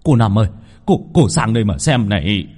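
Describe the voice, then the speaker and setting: A man's voice: lowish voice, big pitch swings, a little fast, darkish tone, slightly rough. A man voicing a panicked, grieving village man who pleads and wails tearfully. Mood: frantic. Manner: wailing, breathless pleading.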